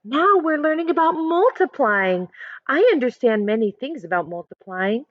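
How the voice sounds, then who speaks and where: A woman teacher reading a picture book aloud to children, expressive and instructive, breaking off to speak directly to her young listeners. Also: fairly high pitch, dry recording, muffled recording.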